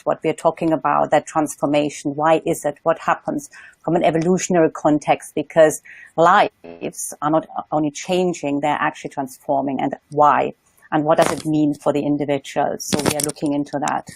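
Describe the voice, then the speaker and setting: A woman's voice: low-pitched, creaky, dry recording. A woman from Germany with a German accent, introducing herself as a company founder on a panel. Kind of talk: professional self-introduction.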